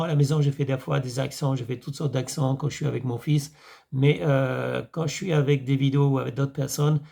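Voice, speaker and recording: Hoarse, gravelly French man vlogging. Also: medium pitch, darkish tone. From France. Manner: rambling, many fillers and restarts. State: hoarse, voice tiring. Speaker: YouTube vlogger reviewing films. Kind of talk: casual talk to camera.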